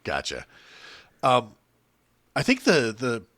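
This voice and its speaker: A bright, forceful male voice walks through a film's story beat by beat in casual podcast chat. He swings freely in pitch and drops in jokey asides, with the sound dry and close to the mic. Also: huge pitch swings, slow, no echo. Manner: recaps plot in a running summary with jokey asides. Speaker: podcast co-host. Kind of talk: casual chat recapping a film.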